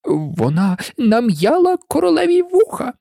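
A woman voicing a timid, anxious male white rabbit who talks in a nervous, hushed way in an audiobook. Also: fairly high pitch, big pitch swings, unhurried, vocal fry, dry recording, studio quality, voice pushed up, full character voice. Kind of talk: audiobook character voice.

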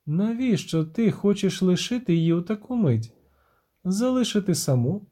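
A man's voice: high voice, lively intonation, normal speed, warm tone, pitched above the performer's own voice. A man voicing a stern, regal female dryad queen who speaks reproachfully, as a storybook reading. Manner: reproachful, questioning.

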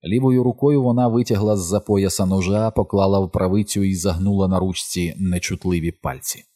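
A male audiobook narrator reading a novel in a steady, measured way. His voice is very low and mellow. It has a husky, slightly breathy grain. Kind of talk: scripted narration.

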